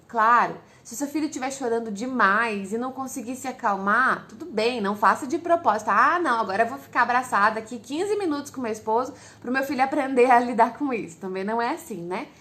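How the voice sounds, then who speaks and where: A Brazilian Portuguese-accented woman gives parents advice in a relaxed, instructive way. Her voice sits a little high. She explains each point patiently and speaks straight to the listener. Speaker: parenting educator. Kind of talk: casual instructive talk to parents.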